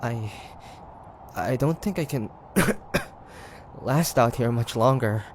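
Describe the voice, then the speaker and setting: A man playing a guarded, sardonic young demon hunter with a soft side, in a hesitant, stammering roleplay audio drama. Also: mid-range voice, slow, slight background noise, close to an everyday voice. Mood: pleading. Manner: hesitant, stammering, teasing, sighing. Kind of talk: roleplay audio drama, one-sided dialogue.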